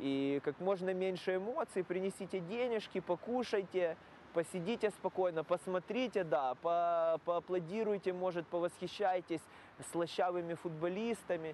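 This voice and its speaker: With light background noise behind him, a man with a high pitch talks at a moderate pace and with ordinary pitch variation. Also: dry sound with no echo. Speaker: football ultras fan; interviewee. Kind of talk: interview. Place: street.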